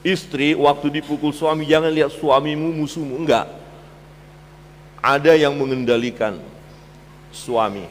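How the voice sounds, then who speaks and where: A man preaching a sermon as pastor, swinging between loud emphatic peaks and low quiet asides. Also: steady tone, measured pace, pauses often, long reverb tail, slight background noise. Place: church hall.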